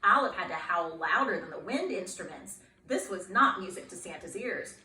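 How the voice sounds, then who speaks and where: A woman reading a children's picture book aloud in a playful, expressive way, asking her young listeners questions. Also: fairly low pitch, normal speed, roomy sound, far from the mic.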